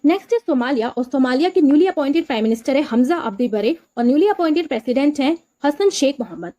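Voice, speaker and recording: A woman's voice: high-pitched, lively intonation, quick pace, dark tone. A woman exam tutor explaining memory tricks in a patient, repetitive way, asking and answering her own questions.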